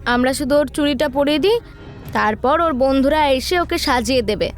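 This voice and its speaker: একজন মহিলা অডিও ভূতের গল্পে কনের সন্দেহপ্রবণ জেঠিমার ভূমিকায় সোজাসাপটা, শাসনের সুরে কথা বলছেন।. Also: female voice, high voice, moderate pace, faint music behind, close to an everyday voice. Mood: bossy, hurried. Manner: blunt, scolding, bossy. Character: outspoken, suspicious elder aunt of a village bride. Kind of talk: audio horror story dialogue.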